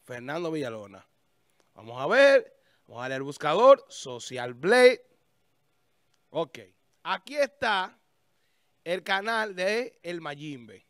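A man's voice: on the high side, sing-song, slow pace, long pauses, a bit bright, clean tone, no echo. A man hosting a casual studio chat, thinking aloud as he searches a website. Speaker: show host. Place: small studio with a festive desk. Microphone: studio mic on a stand.

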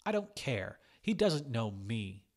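A man's voice: medium pitch, sing-song, slow. A man voicing a feisty young woman cook in a story, pert and defiant. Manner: pert, sassy.

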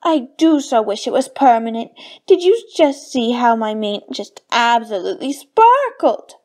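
A vain cartoon unicorn lady with a very high voice that swoops dramatically. She speaks in prim, affected, ladylike diction and treats everything as grand theatre. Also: sing-song, measured pace, a little mellow. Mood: prim, gracious. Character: prim, vain, melodramatic female unicorn fashionista pony. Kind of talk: fan voice reel of cartoon lines.

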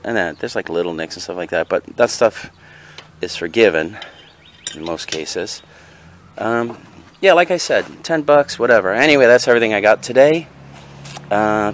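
A rambling, self-deprecating man with a somewhat low voice talks through his bargain finds, stumbling over fillers. His camera picks up faint background noise. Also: a bit bright. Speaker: reseller vlogger. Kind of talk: casual show-and-tell. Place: outdoor patio, then in a car.

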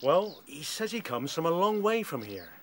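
A man's voice: a little high, very animated, normal speed, a little hiss or hum. An actor with a British accent playing a blunt, hearty male rabbit in a radio play. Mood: matter-of-fact. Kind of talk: radio drama acting.

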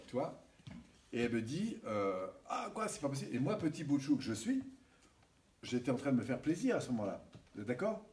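Lively male lecturer heard from afar. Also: medium pitch. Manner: animated, checks in with audience often. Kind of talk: seminar lecture. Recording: distant mic with faint hiss.

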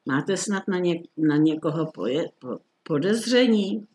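Guy reading a grumpy calm cop commissioner, dry, mutters, kinda fed up. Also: on the high side, natural voice. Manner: dry, unhurried, grumbly. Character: grumbling phlegmatic middle-aged police commissioner.

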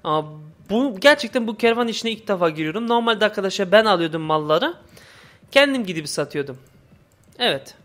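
A man giving casual let's play commentary in halting, imperfect Turkish with muddled word forms. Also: high-pitched, animated, a bit bright. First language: not Turkish, speaks imperfect Turkish. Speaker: gaming video host.

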